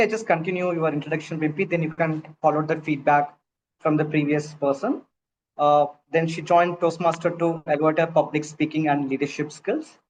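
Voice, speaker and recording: A man hosting an online club meeting, briskly handing turns to others. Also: fairly high pitch, a little hiss or hum, low-quality recording. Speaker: meeting host.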